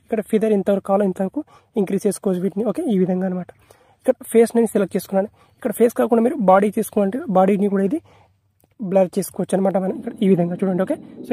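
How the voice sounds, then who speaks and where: A man's voice: high voice, mellow, slight background noise. A man narrating an app tutorial in a repetitive, instructional way, mixing in English tech terms.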